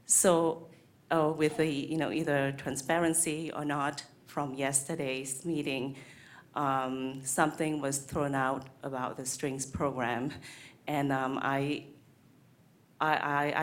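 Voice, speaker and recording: Low-voiced woman, earnest and hesitant. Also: a bit bright. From Malaysia. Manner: earnest, hesitant, many fillers. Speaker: music teacher speaking at public comment. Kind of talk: public comment at a board meeting. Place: board meeting room.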